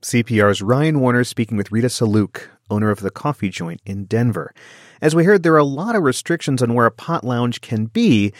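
A man reading a scripted news outro in a crisp, formal delivery at a studio microphone. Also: medium pitch, lively intonation, a little fast, no echo. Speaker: news anchor.

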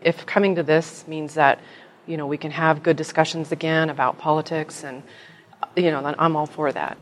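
A middle-aged woman from Colorado speaks in a conversational way, peppering her talk with "you know". Her voice sits very low for a woman. A faint hiss of noise lies under her. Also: level tone, normal speed. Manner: chatty, frequent "you know". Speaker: guest. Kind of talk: conversational interview.

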